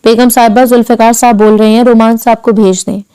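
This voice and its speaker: Woman reading male servant, curt, stiff, smooth clear tone. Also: a little high, fairly even intonation, fast, warm tone, no echo, natural voice.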